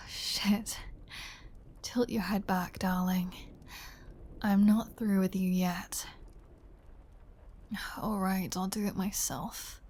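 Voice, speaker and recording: Casting: flirty vampire huntress of humans woman performer, unhurried, breathy and half-whispered, teasing, in command, ASMR roleplay style. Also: medium pitch, little pitch movement, a little mellow. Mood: taunting, playful. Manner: teasing, breathy, slow, dominant. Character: flirty, predatory female vampire toying with a hunter. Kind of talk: intimate ASMR audio roleplay, often whispered.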